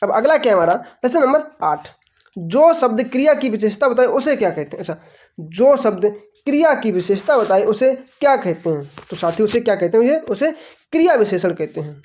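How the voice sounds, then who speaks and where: Male online tutor with a high voice, drilling exam answers by asking and repeating. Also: big pitch swings, brisk, a little mellow. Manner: asks the class rhetorical questions and answers them himself; repeats each answer for emphasis. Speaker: online teacher. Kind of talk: exam-prep lesson.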